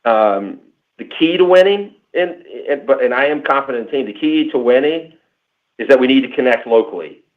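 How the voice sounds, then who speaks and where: A man answering analyst questions on an earnings call, measured and emphatic, pausing and restarting as he talks. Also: mid-range voice, lively intonation. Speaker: company executive answering analysts. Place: conference call line. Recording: tinny phone line.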